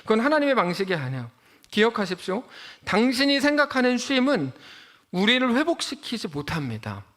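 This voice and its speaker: Male pastor, high lively pitch, joking conversational sermon delivery. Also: brisk.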